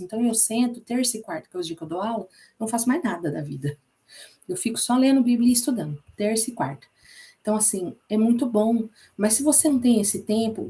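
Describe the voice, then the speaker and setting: A woman's voice: fairly high pitch, warm tone. A woman with a Brazilian Portuguese accent who teaches an informal Bible class in a chatty way, repeating herself and using many fillers.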